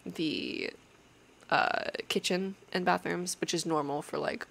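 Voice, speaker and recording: Soft young woman with gentle vocal fry. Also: lowish voice, fairly even intonation, slow. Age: 19, young adult. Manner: soft, often half-whispered, hesitant casual delivery. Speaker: ASMR roleplay performer playing an affectionate girlfriend. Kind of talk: intimate ASMR girlfriend roleplay, casual chat. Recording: clear background noise, rainy night ambience. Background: rain ambience.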